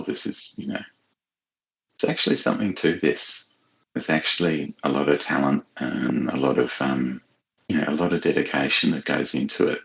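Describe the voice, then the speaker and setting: A man's voice: extremely low pitch, vocal fry, bright, forceful tone, rough recording. A man chatting casually as an interview guest, reflective and appreciative, feeling his way through his thoughts. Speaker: writer, podcast guest.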